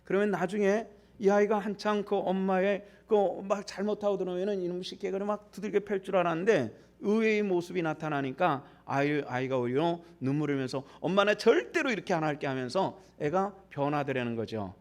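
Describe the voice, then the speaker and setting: A man's voice: high-pitched, fairly quick, few pauses, darkish tone. An older man, a retired senior pastor, preaching a sermon in a church, telling a story and asking the congregation questions that he then answers himself.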